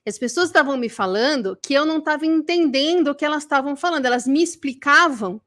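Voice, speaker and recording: A Brazilian woman giving a live online class on burnout recovery in a lively manner, acting out the people she quotes. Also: high voice, quick pace.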